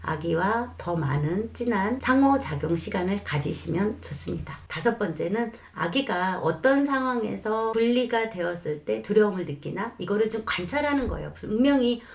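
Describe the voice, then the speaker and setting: A woman who is a child development expert, calmly explaining parenting advice in a lesson and sometimes acting out what a mother might say. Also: mid-range voice, normal speed, gravelly, hardly any pauses. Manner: calm, reassuring explanation with acted quotes of mothers.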